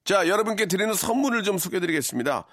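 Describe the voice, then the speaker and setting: A man's voice: high voice, sing-song, very fast, a bit bright, dry recording, studio quality. A man hosting a live radio phone-in, speaking in mock-formal style with an emphatic prize-announcer delivery. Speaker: radio show host.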